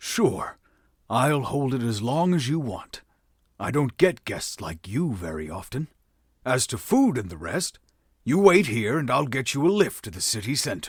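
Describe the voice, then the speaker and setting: Doing a put-on character voice, a man at medium pitch speaks at a moderate pace with very wide pitch swings, in a very clean recording with a silent background. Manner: friendly.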